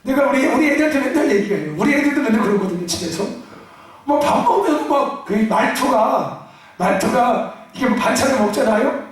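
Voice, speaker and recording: A male pastor delivers a fiery sermon, his high, lively voice swinging up and down as he shouts calls to the congregation and drops into joking asides. He sounds far from the microphone, and his voice rings around a large, echoey church sanctuary. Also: brisk. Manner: shouting, call-and-response, jokey asides.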